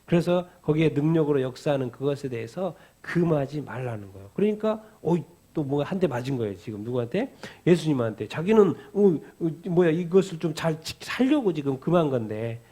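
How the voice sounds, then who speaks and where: A man preaching a midweek sermon. He talks in a conversational way and keeps asking his listeners rhetorical questions. His voice sits a little high, with a mellow, warm tone. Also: brisk, hardly any pauses, slightly rough. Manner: animated, asks rhetorical questions, acts out the disciples' anger. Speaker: pastor.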